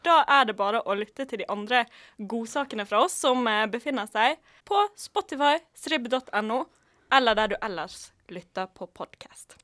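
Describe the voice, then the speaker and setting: A woman hosting a word quiz in relaxed radio chat, playful and full of small pauses. Her voice sits a little high and the studio sound is dry and close. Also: no room sound. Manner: playful, with frequent filler pauses. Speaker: quiz host.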